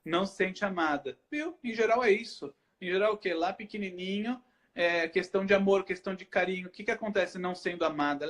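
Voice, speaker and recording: A Brazilian man with a notably high voice hosts a live chat as a hypnotherapist. He explains in a lively way, firing off rhetorical questions and answering them himself. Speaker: hypnotherapist host.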